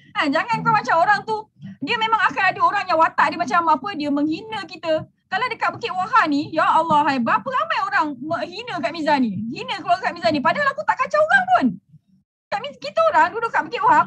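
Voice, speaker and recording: A woman's voice: extremely high pitch, a bit bright. A middle-aged woman with a Malaysian Malay accent, giving a brash, teasing motivational talk to a group as a business mentor, laughing often.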